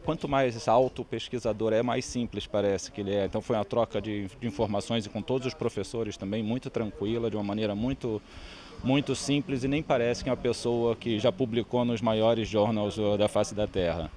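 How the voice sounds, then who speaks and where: A middle-aged man with a Brazilian Portuguese accent, speaking in a relaxed, admiring way into a handheld mic. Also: on the low side, a little fast. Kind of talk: on-camera interview. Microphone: handheld reporter mic.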